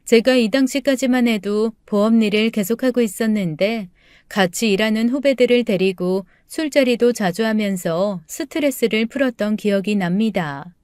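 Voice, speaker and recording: A woman narrating a first-person story in a calm, steady reading voice. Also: mid-range voice, normal speed, clean tone, dry recording, studio quality.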